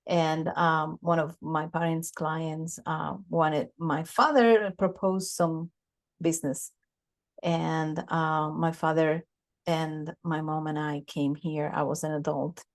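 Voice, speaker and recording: Lady in her 40s, lowish voice, talks real slow with lots of ums, video call. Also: flat delivery. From Bogota, Colombia. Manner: unhurried, many pauses and fillers. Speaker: guest. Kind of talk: casual interview, telling life story. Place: home office with bookshelves. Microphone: desk microphone on a video call.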